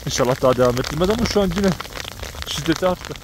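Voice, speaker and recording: A man's voice: on the high side, lively intonation, quick pace. A shepherd man vlogging outdoors in a hailstorm, calling out to his flock and talking to viewers on a handheld phone. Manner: exclaiming and talking to the animals. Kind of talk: vlog narration to camera while herding. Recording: loud hail and rain noise.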